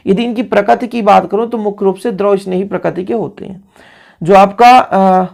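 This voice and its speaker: A man's voice: high-pitched, creaky, a little mellow. A man teaching a coaching-class chemistry lecture, coaxing his pupils and asking and answering his own questions. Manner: coaxing, keeps checking in with listeners.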